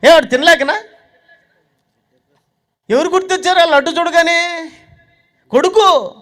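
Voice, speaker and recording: A man's voice: very high-pitched, a bit bright. A man with a Telugu accent preaching an emotional sermon, telling stories with acted-out voices and repeated rhetorical questions. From Andhra Pradesh, India. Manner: dramatic storytelling, acting out quoted voices, repeated rhetorical questions.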